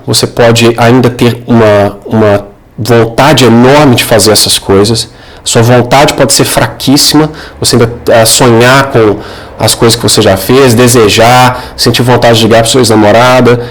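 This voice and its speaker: A man's voice: mid-range voice, poor audio. Earnest Brazilian man giving religious advice. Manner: earnest, didactic, addressing the listener directly. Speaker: Catholic advice video creator. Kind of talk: informal religious advice monologue.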